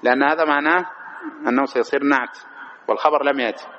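A man's voice: mid-range voice, fairly even intonation, fast talker, sharp tone, highs cut off, a little hiss or hum. A man teaching a lesson on religious law, explaining a text line by line and stopping to pose questions he answers himself. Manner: keeps asking rhetorical questions and answers them himself; demonstrates correct and wrong pronunciations. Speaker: teacher of Islamic jurisprudence.

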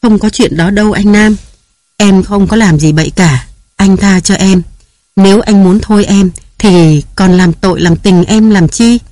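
Man playing a frightened young wife, tearful, pleading, high-pitched. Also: a little slow, darkish tone, no echo, clean studio sound.

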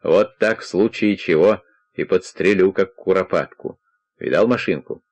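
A man voicing a hoarse, contemptuous male criminal who threatens the listener, read in an audiobook. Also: low voice, measured pace. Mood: menacing. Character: menacing drunk male criminal, gruff and threatening. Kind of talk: audiobook character voice.

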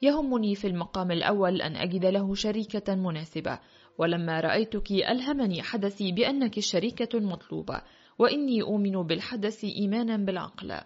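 A woman's voice: medium pitch, fast, a little mellow, natural voice. Woman reading as a commanding older queen. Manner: firm and decisive. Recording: dull lo-fi audio with faint music.

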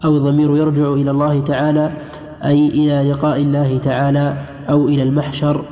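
A man reads texts aloud during a lesson in a steady voice that is fairly high and almost completely flat. The recording is dull and lo-fi. It has long hall reverb. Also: quick pace. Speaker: student reader.

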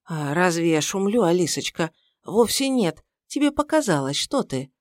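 A woman's voice: lowish voice, sing-song, moderate pace, dry recording, clean studio sound. A woman voicing an older, domineering mother-in-law who scolds her son-in-law in a raised, indignant voice, read as an audiobook character. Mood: falsely sweet.

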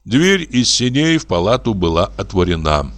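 A man reading a classic novel aloud as narrator, with a measured, expressive delivery. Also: fairly low pitch. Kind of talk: audiobook narration.

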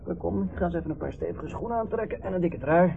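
An actor playing a breezy, sardonic young drifter and outsider in a Dutch radio drama. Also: male voice, high voice, animated, fast, vocal fry. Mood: breezy, helpful. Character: rebellious young drifter, cheeky, scornful outsider. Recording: noisy, phone-like old radio play recording.

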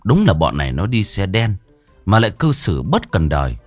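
A man narrates a comic tale in a lively, colloquial way. His voice is low but moves a lot, with music playing faintly behind. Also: normal speed, dry recording. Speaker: storyteller. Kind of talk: comic storytelling.

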